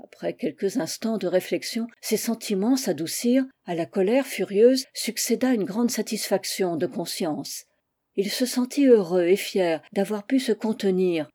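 Woman reading a storybook aloud, warm mellow tone, names each speaker softly before their lines. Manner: reads all characters, announcing each speaker name in a lower, softer voice. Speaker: audiobook reader. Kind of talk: audiobook reading of a classic novel.

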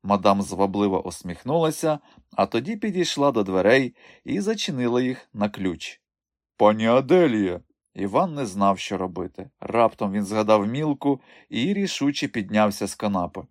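A man narrating an audiobook in an expressive storytelling manner. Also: on the low side, normal speed, no echo, clean studio sound. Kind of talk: scripted narration.

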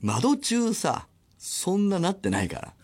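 A man hosting a solo radio show, chatting casually and acting out other people's lines in quick little voices. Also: high-pitched, huge pitch swings. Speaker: radio host.

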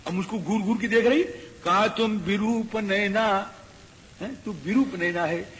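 A man's voice: sits high, measured pace, a bit bright. A man giving a devotional discourse, chanting verses and explaining them, voicing characters. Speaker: Ramayana preacher. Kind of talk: devotional discourse with Sanskrit recitation. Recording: echoey hall, faint background noise.

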